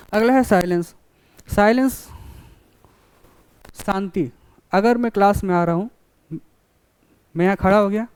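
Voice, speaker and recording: A man lectures a college class, his voice smooth and resonant. He walks through points with everyday classroom examples and keeps asking if students follow. The sound is dry and close. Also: high voice, darkish tone, dry recording. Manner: explains with classroom examples, often checks understanding.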